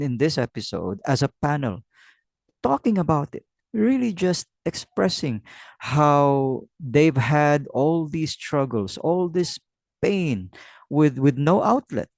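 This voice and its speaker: A man hosting an interview, talking in a measured, explanatory way. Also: mid-range voice, darkish tone, no echo, studio quality. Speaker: host.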